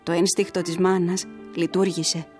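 A woman's voice: lowish voice, little pitch movement, a little mellow, faint music behind, natural voice. An actress playing a grieving young woman who tells her story earnestly and emotionally, as in a letter read aloud in a radio drama.

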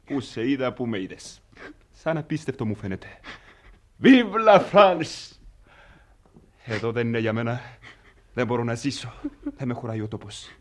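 An actor in a radio play, playing a snobbish young servant who talks with scorn and impatience. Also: male voice, mid-range voice, a little mellow, close to an everyday voice. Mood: scornful.

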